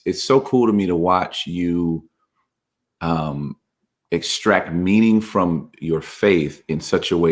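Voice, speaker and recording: A man hosting a podcast, asking thoughtful, halting questions. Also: sits low. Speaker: podcast host. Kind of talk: podcast interview.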